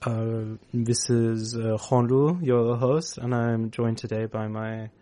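Relaxed male community radio host. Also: medium pitch, slow pace. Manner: relaxed, thinking aloud with fillers and laughs. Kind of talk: casual interview chat.

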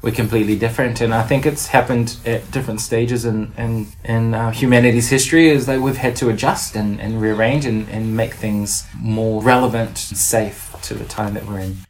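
A woman's voice: a bass voice, fairly even intonation, moderate pace, few pauses, a little mellow. A woman speaking as an interview guest, candid and reflective with a playful streak. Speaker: podcast guest, performer and playwright.

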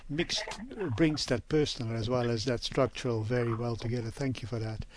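Male interviewer, polite, careful questions, faint background noise, mid pitch. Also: fairly quick. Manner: polite and careful, with soft affirmations. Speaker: interviewer, host.

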